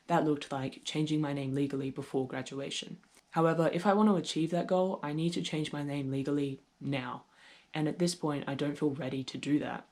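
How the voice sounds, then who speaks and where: A young trans man, early in his transition with his voice starting to deepen, speaking candidly and reflectively in a personal video diary with touches of gentle humor. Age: young adult. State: voice deepening on testosterone. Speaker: vlogger.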